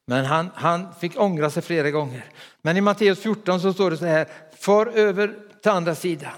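Fervent preacher man in a reverberant hall. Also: high voice. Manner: fervent, often breaks into hallelujahs. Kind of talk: sermon.

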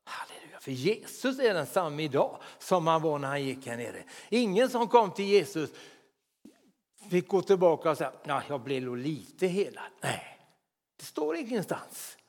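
Preaching man, fairly high voice, fervent, hallelujahs and whispered asides; long church-hall reverb. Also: big pitch swings, darkish tone. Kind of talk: sermon.

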